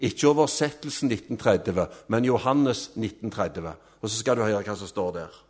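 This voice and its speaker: A man preaching a sermon, emphatic, rising to loud swells and dropping to soft, low endings. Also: breathy edge.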